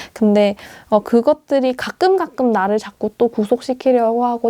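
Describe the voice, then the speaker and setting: In a dry, close recording with no echo, a woman with a dark, mellow tone speaks at a moderate pace with lively intonation. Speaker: tarot reader. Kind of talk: tarot reading monologue.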